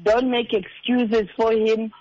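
Very high-pitched and barely moving in pitch, this man's voice proceeds slowly as he counsels on relationships in a South African Xhosa accent. His advice is earnest and direct, switching between two languages and repeating points for emphasis. There's no room sound, and the highs are cut off.

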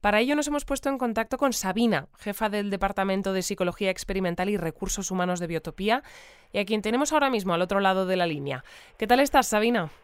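A woman's voice: medium pitch, fast, smooth, no room sound, close to an everyday voice. A woman with a Spain accent playing a composed, courteous radio presenter hosting a bulletin and interview in an audio drama. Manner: orderly, courteous. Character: composed female community radio news presenter.

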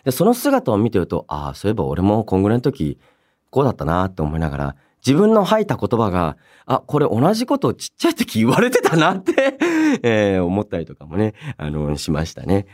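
A man hosting a radio show on his own, reading listener mail and chatting in polite, expressive speech with emphatic reactions and softer asides. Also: on the low side, a little fast. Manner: polite conversational phrasing.

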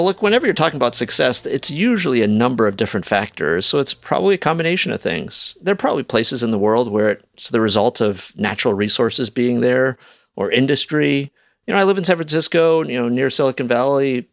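Chatty man co-host with a gravelly, dry voice. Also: medium pitch, dry recording. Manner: conversational, many "you know"s. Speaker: podcast co-host. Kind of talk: casual chat.

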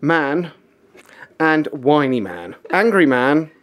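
A man's voice: on the high side, sing-song, slow, a bit bright. A man who produces and acts in a radio play, chatting in a joking way. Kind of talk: casual chat.

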